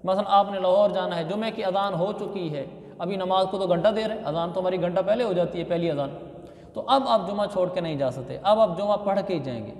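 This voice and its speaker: Long reverb from an echoey hall surrounds this man from Pakistan, a mufti teaching Islamic law. His voice sits high with a darkish tone, and he moves fairly quickly, laying out the lesson step by step and repeating key phrases.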